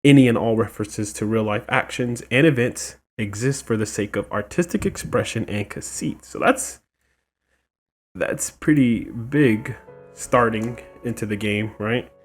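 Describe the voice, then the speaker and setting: A man's voice: on the low side, a little slow, husky, faint music behind. A man hosting a casual let's play, chatting informally and reacting aloud to the game. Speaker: gaming video host.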